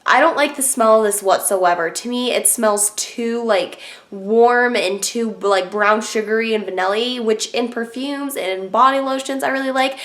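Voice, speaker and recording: A woman's voice: a little high, normal speed, hardly any pauses, a bit bright. Congested young woman chatting casually. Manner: chatty, filler-heavy, frank opinions. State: congested from a cold. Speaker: beauty vlogger. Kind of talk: casual product review chat.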